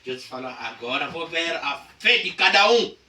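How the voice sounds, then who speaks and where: A male pastor from Brazil preaching a sermon with dramatic storytelling that swings between hushed lines and shouts. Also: fairly high pitch, expressive, moderate pace, a little hiss or hum. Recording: echoey church heard from a distance.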